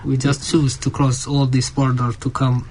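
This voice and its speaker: A man's voice: mid-range voice, completely flat delivery, moderate pace, darkish tone, slight background noise, rough recording. A man who speaks English as a second language, talking earnestly and hesitantly in a group discussion, often repeating his phrases. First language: not English. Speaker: asylum seeker.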